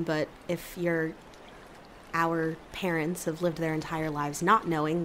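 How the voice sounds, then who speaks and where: A woman's voice: low-pitched, a little hiss or hum, lightly acted. An actress playing a worried, wryly teasing young woman in a naturalistic audio drama. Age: young adult.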